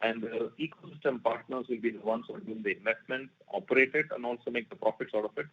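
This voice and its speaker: Male exec running an investor call, mid-pitched voice, measured n formal, thin phone line sound. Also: breathy edge. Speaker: company executive moderating investor questions. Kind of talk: earnings call question and answer. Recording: tinny phone-like conference line.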